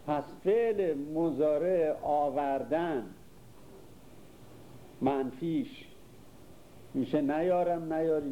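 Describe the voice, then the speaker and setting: An older man lectures a class in a very dark, mellow voice. He recites lines of classical verse, then unpacks them in relaxed everyday speech and puts questions to the room. A faint hiss runs beneath the recording. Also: on the high side, rough recording. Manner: reads verses, then explains them in casual speech and quizzes listeners. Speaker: literature teacher. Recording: faint background noise.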